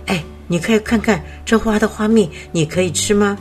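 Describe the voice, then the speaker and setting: A woman's voice: mid-range voice, moderate pace, faint music behind, lightly acted. A woman voicing an earnest, anxious young male black bear cub in a storybook, with a childlike, eager voice. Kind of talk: storybook character voice.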